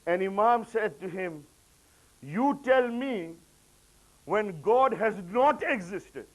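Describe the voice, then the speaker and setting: A man with a noticeably high-pitched voice delivers a sermon to a gathering. He climbs higher and louder when quoting, then sinks into soft, low asides. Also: animated, slow. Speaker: preacher. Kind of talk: religious lecture.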